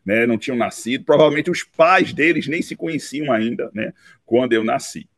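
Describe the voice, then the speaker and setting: A man, recounting his life story in an interview, unhurried and dotted with tag questions. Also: medium pitch, a bit bright, no echo, clean studio sound. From Recife, Brazil. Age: 50s. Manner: unhurried, with frequent "né" tags and restarts. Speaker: interview guest, law professor. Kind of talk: relaxed autobiographical interview.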